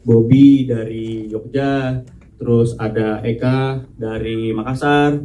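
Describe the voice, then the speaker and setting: A man's voice: medium pitch, steady tone, takes it slowly, warm tone, recorded from a distance. A young man from Jakarta, an actor at a press conference, talking hesitantly with many fillers. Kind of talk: casual chat.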